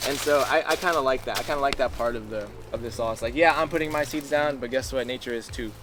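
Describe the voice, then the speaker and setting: A man's voice: mid-range voice, quick pace, background noise. A man who farms a food forest, talking in a loose, chatty way outdoors on a farm, with many restarts. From United States. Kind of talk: casual outdoor interview. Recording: background music under the voice.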